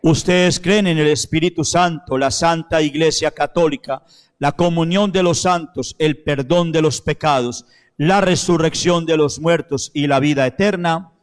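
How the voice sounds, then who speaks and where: A middle-aged man, a Catholic priest, leading prayers at the altar in slow, measured, solemn phrases into a handheld mic. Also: on the high side. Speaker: Catholic priest celebrating Mass. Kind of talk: liturgical prayer and renewal of baptismal promises. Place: church sanctuary, at the altar. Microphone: handheld microphone. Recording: piano music under the voice. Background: soft piano music.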